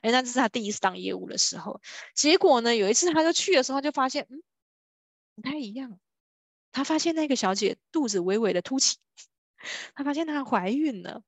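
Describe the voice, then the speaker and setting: A woman's voice: high voice, lively intonation, fairly quick, long pauses, no echo. A woman, talking about a sales book in a casual lecture style, full of little fillers and acted-out quotes. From Taiwan. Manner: chatty, many fillers like 哈 and 哦, acts out quoted people. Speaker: book-sharing speaker on B2B sales.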